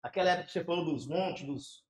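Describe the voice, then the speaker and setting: A man, a pastor telling his conversion story with fervor, in pauses and restarts. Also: a little high. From São Paulo area, Brazil. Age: 60s. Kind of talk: emotional conversion testimony in a casual chat. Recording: echoey room.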